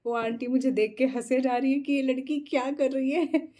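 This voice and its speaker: A woman vlogger casually recounting a travel adventure, animated and laughing often, slipping English phrases into her talk. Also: sits high, normal speed. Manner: mixes English phrases into speech. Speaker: tarot channel host.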